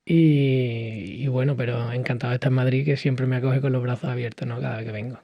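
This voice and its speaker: A man from Cádiz in his thirties, speaking as a podcast guest in a lively conversational way, with frequent fillers and restarts. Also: mid-range voice, fairly quick, no room sound, highs cut off. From southern Spain, Cádiz. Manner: animated storytelling with many fillers and restarts. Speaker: podcast guest, hospitality entrepreneur. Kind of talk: conversational interview.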